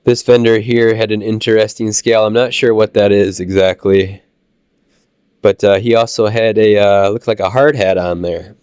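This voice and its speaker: A man with a Midwestern American accent, casually narrating a walk through a model train show, halting with fillers while he gets over a cold. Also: lowish voice, clear, resonant tone, dry recording, clean studio sound. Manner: relaxed, halting with many "uh" fillers. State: recovering from a cold. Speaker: channel host touring a train show.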